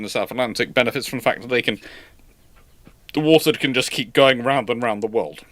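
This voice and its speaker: A man's voice: medium pitch, fairly bright tone, no echo. A man hosting an informal live history Q&A, hesitant and repeating words as he thinks, with dry, wry humour. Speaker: host answering audience questions.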